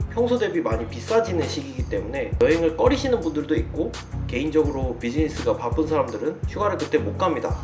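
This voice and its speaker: A man speaks with clear music in the background. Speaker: vlogger. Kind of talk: casual vlog chat. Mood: excited about trip. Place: home room.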